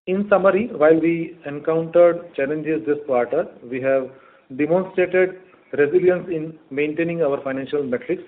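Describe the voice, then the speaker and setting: Higher-voiced Indian man on a tinny phone line. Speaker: company executive presenting results. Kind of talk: scripted earnings report read aloud. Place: on a conference call. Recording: muffled narrowband conference phone line.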